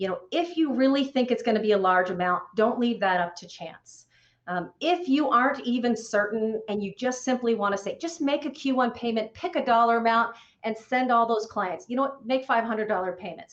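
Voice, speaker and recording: Her fairly high voice moves at a fairly quick pace, and the woman's intonation is lively. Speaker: tax expert. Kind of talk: webinar presentation. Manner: fast.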